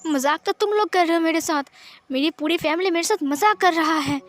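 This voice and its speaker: A woman's voice: very high voice, fairly quick, faint music behind, voice pushed up. A woman voicing an angry young man who bitterly accuses his partner and family, in a sarcastic tone. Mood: bitter, accusing.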